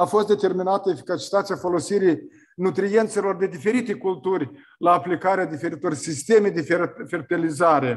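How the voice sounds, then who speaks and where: Against a quiet background, a man with a high voice speaks at a moderate pace with ordinary pitch variation. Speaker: academician, researcher; presenter. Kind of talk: formal presentation. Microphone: video call.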